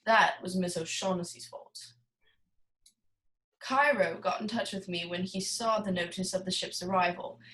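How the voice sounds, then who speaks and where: A woman's voice: fairly low pitch, normal speed, fairly bright tone, a little hiss or hum, natural voice, low-quality recording. A woman playing a genteel, scheming male crime boss with pompous, formal, theatrical speech in a noir radio play. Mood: measured, explanatory.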